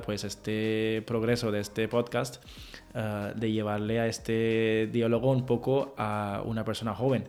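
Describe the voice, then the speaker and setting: A man hosting a conversational podcast interview, speaking haltingly with non-native phrasing. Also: on the low side, a little mellow. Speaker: podcast host interviewing a guest.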